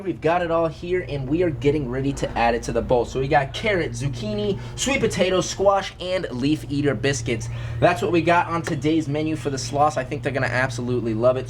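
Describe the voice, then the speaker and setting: A man's voice: on the high side, slight background noise. A congested young man vlogging energetically outdoors at an animal food station, often calling viewers "guys". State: congested from a cold. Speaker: zoo owner and vlogger. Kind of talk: enthusiastic vlog presenting. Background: birds screaming and monkeys.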